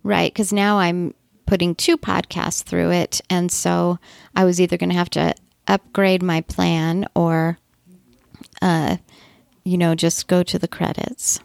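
A woman co-hosting a podcast, talking in a relaxed, matter-of-fact way. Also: lowish voice, a little slow, creaky, no echo, clean studio sound. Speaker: podcast co-host. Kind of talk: casual podcast chat.

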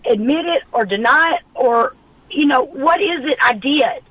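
A woman's voice: high-pitched, expressive, normal speed, a bit bright, highs cut off. A woman calling an advice radio show from her car speakerphone while driving, insistent and upset, repeating herself and cutting in. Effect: car speakerphone call while driving. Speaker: caller. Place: moving car on the freeway. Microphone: phone in a car.

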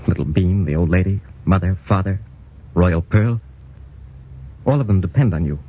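A man's voice: low voice, moderate pace, husky. A man playing an earnest young soldier. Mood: urgent. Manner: urgent, earnest pleading. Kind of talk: 1940s radio drama acting. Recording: dull lo-fi 1940s radio.

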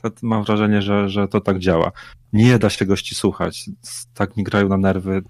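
A man's voice: lowish voice, little pitch movement, normal speed, darkish tone, no room sound. A man co-hosting a radio chat who talks bluntly and sounds irritated. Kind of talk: casual chat. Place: lives in the UK.

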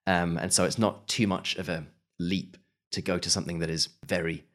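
A man answering as a podcast guest, speaking in a measured, thoughtful way with frequent hedges and restarts. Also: sits low, steady tone, fairly bright tone. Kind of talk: remote podcast interview.

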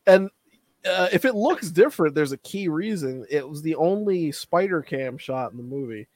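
Man, slightly high voice, opinionated, energetic, casual film chat. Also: normal speed, no room sound. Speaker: podcast co-host.

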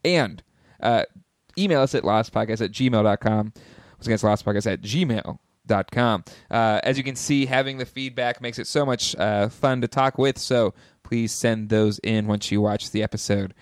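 A man's voice: lowish voice, moderate pace, no room sound, studio quality. A man co-hosting a casual TV podcast, easygoing, reading out contact details with many fillers. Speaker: podcast co-host. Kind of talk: casual chat and show outro.

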